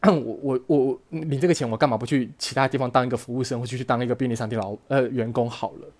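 A man's voice: medium pitch, fairly even intonation, darkish tone. A man hosting a podcast, telling a personal story in an earnest, emotional way and often restarting his phrases. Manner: earnest, emotional, halting with frequent self-restarts. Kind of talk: casual storytelling monologue.

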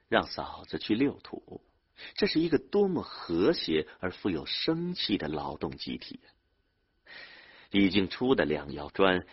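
A man's voice: sits low, slightly rough, dull audio. A man narrating a novel as an audiobook, telling the story expressively with dramatic swings.

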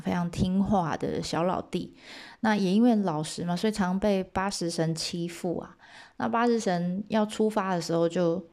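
Brief: a female storyteller, casual and lively, chatting her way through a legend. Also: lowish voice. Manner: chatty, lively, asides to listeners.

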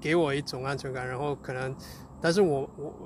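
A male co-host who is learning Chinese speaks Mandarin with a foreign accent, since it isn't his first language. His medium-pitched voice stays fairly even as he chats briskly and unscripted, hunting for words and repeating phrases. There's noise in the background.

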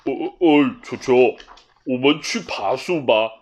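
A woman voicing a haughty, teasing male black cat in a children's storybook, with a loud, mocking tone. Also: extremely low pitch, expressive, a little slow, exaggerated voice. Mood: swaggering. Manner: mocking, domineering boasts.

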